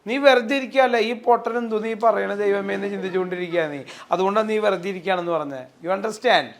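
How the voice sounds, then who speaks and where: High-voiced animated Malayali teacher. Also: male voice, fairly quick. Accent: Malayali English. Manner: animated, quizzes students with repeated "yes or no?". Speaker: spoken English teacher. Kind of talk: classroom lesson with acted examples.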